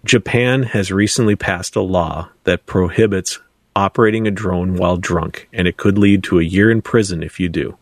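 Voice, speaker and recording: A man's voice: sits low, moderate pace, dry recording. A middle-aged man co-hosting an aviation talk show, matter-of-fact with a wry streak. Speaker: podcast co-host. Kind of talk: casual chat.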